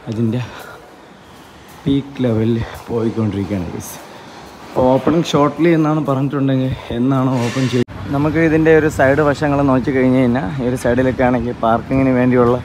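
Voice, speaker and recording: A man walking through an empty building while filming, talking with eager enthusiasm and repeating stock words of praise. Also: medium pitch. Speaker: vlogger. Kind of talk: walking tour vlog. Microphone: phone camera held while walking. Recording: phone recording with clear street noise.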